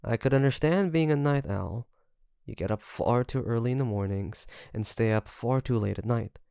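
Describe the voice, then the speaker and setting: A man's voice: medium pitch, creaky, smooth, dry recording, clean studio sound, natural voice. A man playing a nervous, caring young best friend in an intimate audio roleplay, speaking hesitantly and straight to the listener. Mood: concerned, scolding. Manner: hesitant, halting, soft nervous chuckles. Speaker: voice actor.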